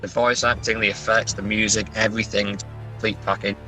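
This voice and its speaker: A man's voice: lowish voice, little pitch movement, fairly quick, sharp tone, faint music behind, low-quality recording. A man talking casually as a guest author in an interview, chatty and self-deprecating.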